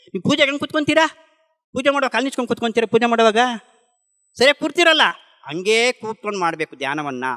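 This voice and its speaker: A man's voice: high-pitched, sharp tone, in a large hall. A middle-aged man giving an emphatic spiritual talk to a gathering, asking questions and answering them himself. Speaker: meditation practitioner sharing testimony.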